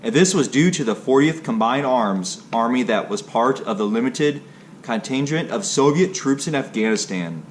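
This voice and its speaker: A man's voice: medium pitch, animated, normal speed, a little hiss or hum. A man narrating a history read aloud from a text, in a stilted way that is unsure on hard words.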